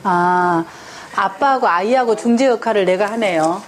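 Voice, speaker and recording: A woman's voice: mid-range voice, normal speed, a crowd in the background. A woman teaching a parenting class, lecturing to a room of parents and asking them rhetorical questions. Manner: animated, asks the audience rhetorical questions. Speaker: parenting education instructor.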